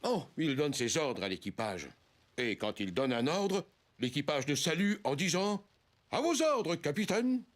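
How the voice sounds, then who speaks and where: A man's voice: on the high side, very animated, unhurried. A man playing a kindly, teasing old grandfather in a children's cartoon, explaining things playfully.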